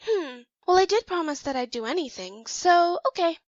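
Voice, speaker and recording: A woman's voice: very high voice, lively intonation, moderate pace, no echo, lo-fi sound. A woman playing an eager, naive young clone in an audio drama, earnest and full of questions. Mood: uncertain, curious. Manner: earnest, wide-eyed, questioning.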